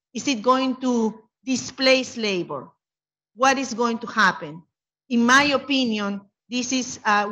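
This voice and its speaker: Woman, native Spanish speaker, panelist, earnest, rhetorical questions, slightly high voice, muffled lo-fi audio. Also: a bit bright. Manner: earnest, thinking aloud with many rhetorical questions. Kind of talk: panel discussion remarks. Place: conference room with panel table. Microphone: table mic on stand. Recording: dull lo-fi conference audio.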